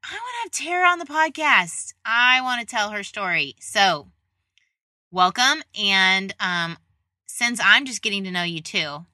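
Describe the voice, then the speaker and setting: A woman's voice: mid-range voice, sing-song, measured pace, pushed and bright, no room sound, studio quality. A woman hosting a faith podcast, chatting eagerly and laughing easily as she interviews a guest. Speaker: podcast host. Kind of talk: casual interview chat.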